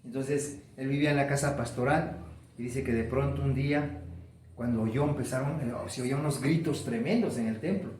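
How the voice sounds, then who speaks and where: A man's voice: mid-range voice, a little mellow, echoey room, a little hiss or hum. A man preaching a sermon, stretching key words and building emphasis. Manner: preaching with rising emphasis and drawn-out stresses. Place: church sanctuary.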